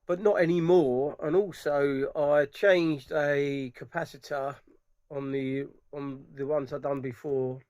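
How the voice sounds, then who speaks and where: A middle-aged man talks casually about his speakers, circling back and restarting as he goes. His voice sits a little higher than most men's. The recording is dry and close, with no room sound. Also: steady tone, slow, a little mellow, clear, resonant tone, dry recording. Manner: rambling, enthusiastic, many restarts. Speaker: audio hobbyist vlogger. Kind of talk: casual product impressions. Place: dark room at home.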